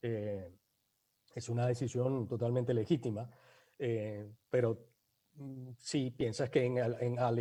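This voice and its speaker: Against a quiet background, a man talks at a fairly slow pace with a medium pitch and a dark, mellow tone. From Venezuela. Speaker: voice actor. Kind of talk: interview answer.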